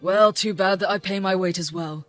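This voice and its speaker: Voice actor as a protective dad, indignant and scolding, mid pitch, faint music under it. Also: moderate pace, fairly bright tone, close to an everyday voice. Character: protective angry father and restaurant owner.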